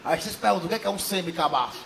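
A man's voice: high voice, very fast, gravelly, a little hiss or hum. A young man from Ceará with a Northeastern Brazilian accent, doing stand-up comedy on stage and telling crude stories while acting out the dialogue. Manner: crude, animated storyteller who acts out dialogue. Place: comedy stage in front of a live audience.

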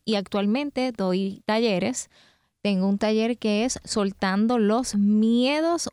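Woman, radio host, smooth clear voice, dry studio sound. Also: medium pitch, a little mellow, no room sound. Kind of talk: radio talk show hosting. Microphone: studio microphone.

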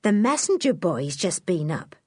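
A woman voicing a kindly middle-aged farmer's wife who talks in a homely, unhurried country way. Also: fairly low pitch, very animated, husky, no echo, full character voice.

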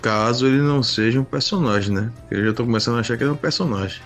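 A man's voice: mid-range voice, very fast, fairly bright tone, soft background music. A man sending a blunt, cursing voice message to the show.

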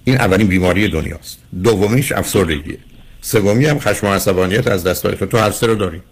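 A man's voice: lowish voice, slightly rough. An older man hosting a radio call-in show as a psychologist, lecturing a caller emphatically and repeatedly calling him "dear".

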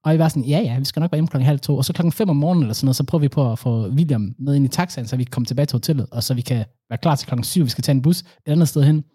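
A young man co-hosting a casual chat, telling animated stories with slang. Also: mid-range voice, few pauses, slightly rough, dry recording, studio quality.

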